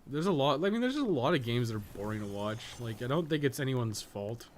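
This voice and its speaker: Guy streaming a game, rambles and swears, jokes w chat, average pitch, some noise behind him. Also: lively intonation, fast talker. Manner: rambling, profane, joking with chat. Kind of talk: casual live-stream commentary while playing a game.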